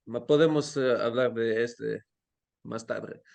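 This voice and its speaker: Slow, hesitant man. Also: mid-range voice, fairly even intonation, vocal fry, darkish tone. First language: Dutch. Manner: hesitant, searching for words, many fillers and restarts. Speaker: guest, language teacher. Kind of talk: casual interview conversation. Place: home in Amsterdam.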